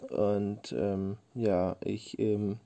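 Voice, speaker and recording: A man's voice: fairly low pitch, flat delivery, extremely slow, vocal fry, warm tone. A young man from Ukraine, a guest on a casual podcast, talking hesitantly with many fillers late at night from bed. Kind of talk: casual chat.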